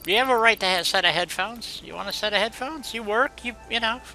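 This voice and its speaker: A man streams a game and talks loosely to a viewer in a folksy, meandering way. His voice sits high and sounds very bright and forward, with faint music playing underneath. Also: brisk, rough recording. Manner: rambling, folksy, full of "you know". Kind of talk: casual gameplay commentary chatting with a viewer.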